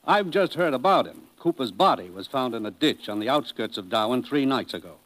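An actor playing a businesslike intelligence commissioner in a 1950s radio drama, brisk and matter-of-fact. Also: male voice, medium pitch, expressive, fairly bright tone, close to an everyday voice, poor audio. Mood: grave, informative. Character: businesslike male intelligence commissioner briefing his agent. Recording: vintage 1950s radio broadcast.

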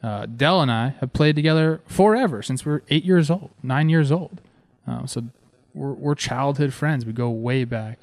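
A man in his thirties from Southern California, a former ballplayer and host, telling stories in an excited, casual way. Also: normal speed, no echo. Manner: excited, animated, talks with fillers like "man" and "boom". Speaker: former ballplayer hosting a show. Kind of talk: casual storytelling.

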